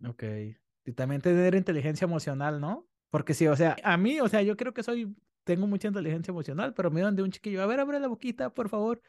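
A man's voice: high-pitched, quick pace, darkish tone, no echo, clean studio sound. A man in his thirties with a Mexican accent, hosting an interview and asking long, rambling questions. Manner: rambling questions, acts out kids. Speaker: podcast host. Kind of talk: casual interview.

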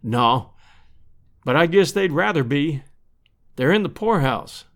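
A man's voice: fairly high pitch, lively intonation, slow, fairly bright tone, exaggerated voice. A man voicing a friendly rural husband and father in a storybook, with a folksy drawl. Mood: grave. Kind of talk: storybook character voice.

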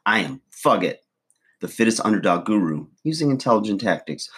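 A middle-aged man with a hoarse, froggy voice from allergies, casually chatting to camera as a fitness vlogger, loose and full of ums. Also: lowish voice, sing-song, a little fast, fairly bright tone. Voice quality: husky.

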